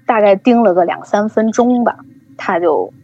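A woman telling a story in casual chat, lively and acting out the people she quotes. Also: medium pitch, normal speed. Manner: animated storytelling, acts out quoted voices. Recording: dull lo-fi recording.

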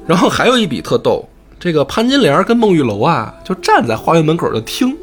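Lively man telling a story. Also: on the high side, brisk, soft background music. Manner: animated, colloquial, swears freely. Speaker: podcast host retelling a classic novel. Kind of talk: casual storytelling chat.

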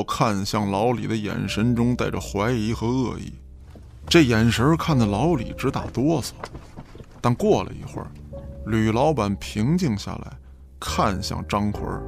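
A man's voice: mid-range voice, moderate pace, vocal fry, soft background music. A man narrating a scripted story as the storyteller of a Chinese radio drama.

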